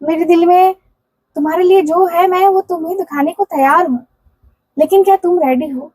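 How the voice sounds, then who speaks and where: A woman with a high voice speaks as a tarot reader, relaying a love message in the first person. She talks in an earnest, pleading way, circling back over the same phrases with casual fillers. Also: moderate pace, a little mellow, low-quality recording. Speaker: tarot and candle wax reader.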